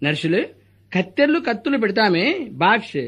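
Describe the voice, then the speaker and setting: A man's voice in a comic sketch, rattling off teasing, bossy lines at a fast clip. It sits high and has a bright, forceful edge throughout. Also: big pitch swings. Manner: mocking, bossy, rapid comic banter. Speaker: comic actor playing a corrupt hospital doctor.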